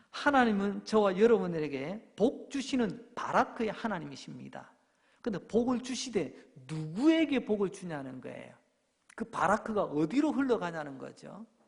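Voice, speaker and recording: A man speaks with a slight Gyeongsang accent. His high pitch swings very widely. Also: moderate pace, big swings in loudness. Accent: slight Gyeongsang dialect slips out. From Gyeongsang Province, South Korea. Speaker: pastor. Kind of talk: sermon.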